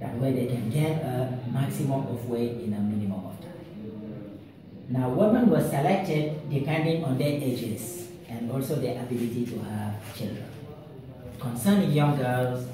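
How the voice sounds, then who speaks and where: A man at a moderate pace with ordinary pitch variation, amid strong room echo and noticeable background noise. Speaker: tour guide. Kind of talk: guided tour explanation. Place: hall. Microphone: camera far.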